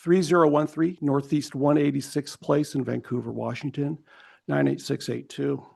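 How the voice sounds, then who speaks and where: Earnest gravelly man, pastor in his fifties. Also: on the high side, steady tone, moderate pace, darkish tone. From Hawaii. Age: 50s. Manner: earnest, with restarts and storytelling asides. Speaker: pastor giving public comment. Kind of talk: public comment at a county hearing.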